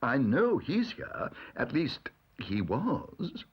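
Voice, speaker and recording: A man's voice: mid-range voice, huge pitch swings, drawn-out words, breathy edge, full character voice. A man voicing a polite, earnest young bear in a storybook reading, speaking literally and carefully. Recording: dull lo-fi audio recording.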